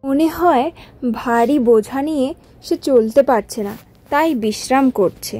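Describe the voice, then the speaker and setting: Calm storybook narrator, a woman; warm, fairly high voice, soft music behind. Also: measured pace.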